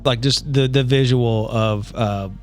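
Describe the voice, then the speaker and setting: A man's voice: medium pitch, fairly even intonation, unhurried, soft background music. A man telling stories in casual, swear-sprinkled chat as a player on a tabletop game podcast.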